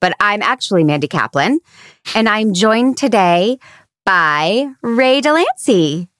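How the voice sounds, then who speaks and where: A woman's voice: mid-range voice, big pitch swings, measured pace, a bit bright, no echo, clean studio sound. A woman hosting a film podcast in casual chat, with a slight cold in her voice. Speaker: podcast host.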